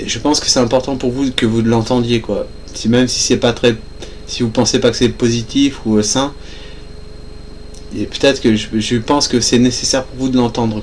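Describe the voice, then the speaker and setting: A man at medium pitch talks at a moderate pace in a monotone, flat intonation, pausing long and often over noticeable background noise. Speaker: vlogger. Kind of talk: vlog monologue. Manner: halting.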